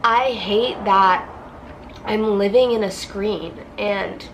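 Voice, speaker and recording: A woman's voice: mid-range voice, slow pace, a little hiss or hum, rough recording. A young woman with a stuffy nose from a cold, talking casually and heartfelt in a confessional vlog and saying "like" constantly. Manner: rambling, heavy use of "like", heartfelt. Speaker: vlogger.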